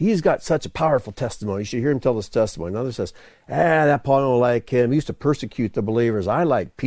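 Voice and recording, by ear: The voice reads aloud in a natural way.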